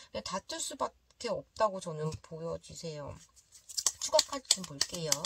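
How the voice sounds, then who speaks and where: There is noticeable background noise throughout. The speaker keeps a moderate pace. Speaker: tarot reader. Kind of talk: tarot reading monologue. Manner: animated.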